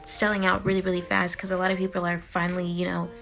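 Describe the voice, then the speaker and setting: A woman reads through a sponsored product segment in a steady, matter-of-fact tone. Her pitch barely moves, with faint music playing beneath. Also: fast, vocal fry. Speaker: beauty vlogger.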